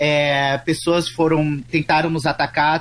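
A man talks at a moderate pace in a fairly high pitch with monotone, flat intonation. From Bahia, northeastern Brazil. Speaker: missionary. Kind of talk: radio interview.

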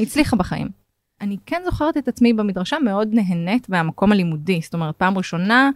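The recording is very clean with a silent background and a dry, close sound with no echo, as a woman with a plain, everyday voice at medium pitch speaks at a fairly quick pace. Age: 40s. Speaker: podcast guest. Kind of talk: casual interview.

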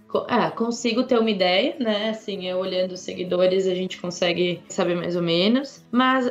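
A normal speaking voice from a woman, with ordinary pitch variation and a moderate pace. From São Paulo, Brazil. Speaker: youtuber. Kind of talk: casual chat.

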